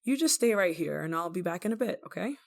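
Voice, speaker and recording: A woman playing a desperate, guilt-ridden young lover in an intimate audio roleplay, tender and anxious, with halting, stammering delivery. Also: lowish voice, expressive, creaky. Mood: gentle, uneasy. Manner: halting, stammering, emotionally fragile.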